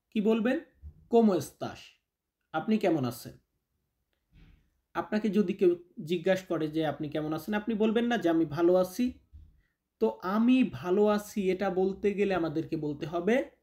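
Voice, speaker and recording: A man teaching phrases slowly, saying each one twice and then explaining it. His first language is Bengali. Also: sits high, darkish tone. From Bangladesh. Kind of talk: slow spoken language lesson.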